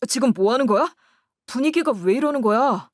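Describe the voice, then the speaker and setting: A woman's voice: on the high side, animated, a little fast, dry recording, clean studio sound, voice pushed up, lightly acted. A woman voicing an angry adult husband who speaks sharply to his mother.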